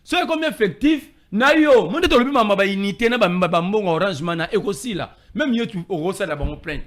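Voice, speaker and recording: Congolese-accented male street commentator, higher register, swinging intonation, argumentative. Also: expressive, fairly quick. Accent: Congolese French. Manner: emphatic, code-switching, argumentative. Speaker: political commentator. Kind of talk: animated street political debate.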